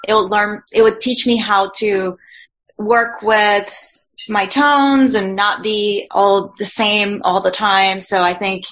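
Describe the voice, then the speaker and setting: A woman's voice: mid-range voice, fairly even intonation, slow, a bit bright. A woman from Cuba with a Cuban Spanish accent, a Spanish-speaking voiceover student introducing herself in an online class, earnest and a little hesitant. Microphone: video call. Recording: dull, lo-fi video call audio.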